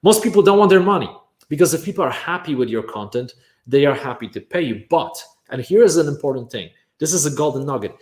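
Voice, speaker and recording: A man from Poland, Polish his first language, giving an energetic online workshop on making courses, stressing points with "right?" and repeated "bam". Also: a little high, fast, echoey room.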